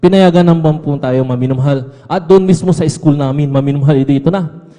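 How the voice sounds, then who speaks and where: Earnest man testifying, dark echoey hall. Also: fairly high pitch, fairly quick. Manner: earnest, keeps repeating a fond address to the congregation. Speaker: church member giving testimony. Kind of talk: testimony at a prayer service. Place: church hall at a pulpit. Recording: echoey hall with long reverb.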